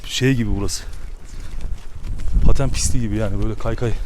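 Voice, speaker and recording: A man's voice: on the low side, steady tone, a little fast, background noise. A man on a farm, coaxing and scolding his dogs in a friendly way while chatting to viewers. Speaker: shepherd-dog keeper vlogger. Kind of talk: casual outdoor vlog, coaxing dogs. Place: outdoors on a muddy farm. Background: animals and rural outdoor ambience.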